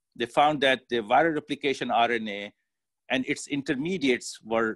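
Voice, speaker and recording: Here a man with a medium pitch speaks at a fairly slow pace, using ordinary pitch variation. The background is quiet. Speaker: physician presenter. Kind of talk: lecture. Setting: video call. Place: home room. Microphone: earbuds.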